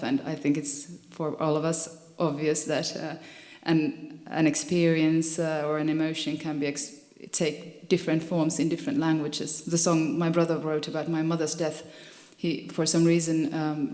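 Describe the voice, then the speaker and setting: A woman's voice: deep voice, a little mellow. A woman speaking on a panel discussion, reflective and prone to restarts, with easy laughter. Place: lecture hall. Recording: echoey hall.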